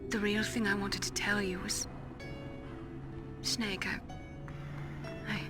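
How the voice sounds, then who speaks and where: Woman doing serious guilty scientist in a video game, careful clinical talk, loud music behind her. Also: mid-range voice, little pitch movement, close to an everyday voice. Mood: confessional. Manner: measured, clinical explaining. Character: grave, remorseful female scientist with secrets. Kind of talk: dramatic video game voice acting.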